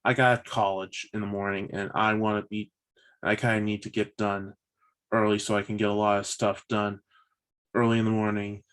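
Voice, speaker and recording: A man in his thirties chatting casually on a video call, halting and often repeating himself. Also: fairly low pitch, flat delivery, fairly bright tone, smooth. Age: 30s. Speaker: participant in a virtual table read. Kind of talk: casual chat before a script read.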